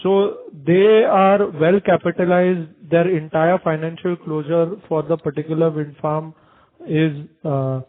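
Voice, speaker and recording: A man with an Indian accent answering as a company executive on an earnings call, in long, haltingly phrased explanations. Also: fairly high pitch, steady tone. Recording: narrow tinny conference phone line.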